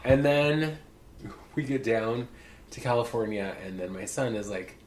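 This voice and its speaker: A man's voice: mid-range voice, lively intonation, a little slow, a little hiss or hum. A man co-hosting a casual podcast, telling a story in a chatty, self-mocking way. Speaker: podcast co-host.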